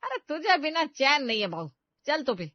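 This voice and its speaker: A woman's voice: high voice, very animated, normal speed, dry recording, pitched above the performer's own voice. A woman playing a bossy, scolding mother-in-law. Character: sharp-tongued stingy older mother-in-law. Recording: dry, dull lo-fi sound.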